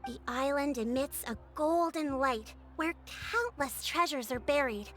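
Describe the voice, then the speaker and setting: A courteous, formal tribal chief. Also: female voice, sits high, expressive, fairly bright tone, faint music behind. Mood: calm. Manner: polite, measured, formal storytelling. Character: gracious tribal chief woman, composed and diplomatic. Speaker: tribe chief. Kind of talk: video game voice acting.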